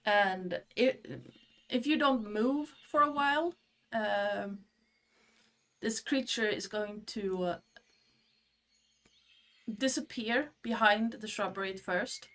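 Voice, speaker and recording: A woman's voice: medium pitch, takes it slowly, pauses often, fairly bright tone. A woman narrating as game master in a tabletop game, speaking hesitantly with many fillers.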